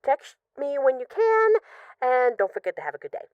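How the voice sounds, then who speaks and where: A woman's voice: high voice, huge pitch swings, no echo, muffled recording. A woman playing a possessive, lovesick mafia boss in an intimate, conversational audio roleplay of voicemails. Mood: affectionate, breezy. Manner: conversational, teasing, halting when emotional.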